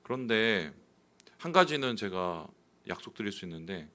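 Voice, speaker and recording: A male pastor preaching a sermon, telling a personal story candidly and swinging suddenly between loud and quiet. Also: on the low side, sing-song, normal speed.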